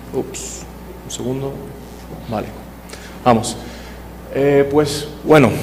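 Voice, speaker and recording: A man with a non-native accent speaks in a flat monotone, with noticeable background noise and audible room echo. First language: not Spanish (speaking Spanish). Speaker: data protection regulator. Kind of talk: lecture. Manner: halting.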